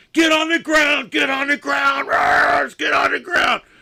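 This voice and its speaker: This man shouts in a put-on character voice at an extremely high pitch. His pace stays moderate. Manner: screaming, loud and urgent.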